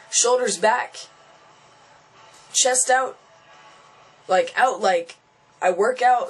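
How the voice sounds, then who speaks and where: A young transgender man vlogs, venting to camera in a casual, frustrated, think-out-loud manner with frequent restarts and repeated phrases. His voice sits high and is a bit bright, with slightly rough sound quality.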